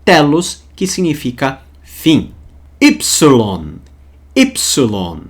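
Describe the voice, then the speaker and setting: A man with a Brazilian Portuguese accent teaching a recorded lesson, slowing down to spell out sounds and examples. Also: medium pitch.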